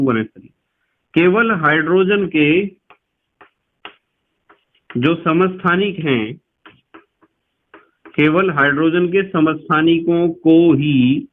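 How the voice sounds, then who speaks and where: A male chemistry teacher giving a patient lecture, repeating key points and quizzing his students. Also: on the high side. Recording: tinny lo-fi sound.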